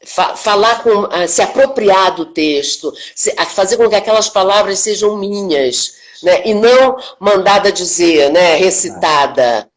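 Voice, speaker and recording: A woman's voice: medium pitch, measured pace, hardly any pauses. Emphatic older woman, thoughtful. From Brazil. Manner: emphatic, animated, with many tag questions. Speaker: actress, interview guest. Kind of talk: reflective conversation. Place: home, online live stream. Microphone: video call.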